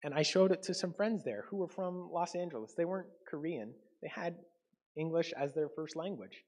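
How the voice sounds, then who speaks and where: A man's voice: a little high, lively intonation, normal speed, darkish tone. A man from Canada preaching a conversational sermon to his congregation, with frequent ums and self-corrections. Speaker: pastor.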